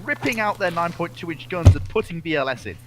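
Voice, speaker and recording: A man's voice: a little high, animated, fast talker, music in the background. A man chatting on a panel, reading questions out and commenting in a blunt, hyperbolic way. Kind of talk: animated casual panel chat.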